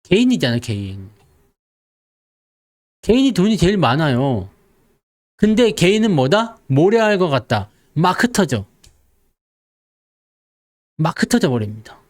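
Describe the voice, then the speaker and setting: A man's voice: a little high, very animated, a little slow, long pauses. A man giving casual, joking stock market commentary and acting out investors' voices. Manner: playful, acts out investors' voices, jokes with viewers.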